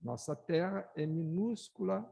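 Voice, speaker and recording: Slow gravelly man lecturing in a hall. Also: warm tone. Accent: Brazilian Portuguese. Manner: slow, explanatory, rises in pitch and volume when reciting verses. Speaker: lecturer at a spiritist study talk. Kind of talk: lecture with poetry readings. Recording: echoey hall with long reverb.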